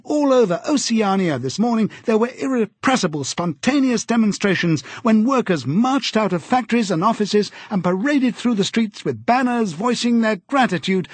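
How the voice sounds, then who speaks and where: Guy putting on a high-pitched eager young announcer, proclaiming, husky, dry. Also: no room sound. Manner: proclaiming, zealous. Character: eager youthful male broadcast announcer.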